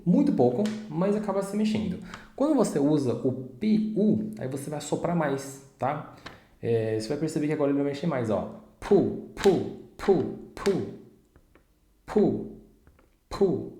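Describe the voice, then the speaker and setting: A man's voice: mid-range voice, mellow. A man teaching a casual video lesson, chatty, checking in with the learner often and drawing out demonstration syllables. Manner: chatty, drawn-out syllables in demonstrations, frequent tag questions. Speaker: Mandarin teacher. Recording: roomy echo.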